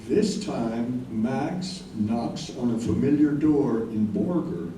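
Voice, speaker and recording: A man's voice: mid-range voice, lively intonation, takes it slowly, mellow. A man narrating in a staged play reading, delivering scripted stage directions. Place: live staged reading in a room. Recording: very echoey room, distant mic, faint noise.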